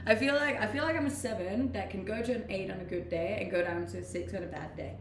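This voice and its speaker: Creaky-voiced Danish woman streamer. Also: medium pitch, fairly quick, echoey room, slight background noise. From Denmark. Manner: chatty, laughs easily. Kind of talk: casual chat reading viewer questions. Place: rented house, indoors.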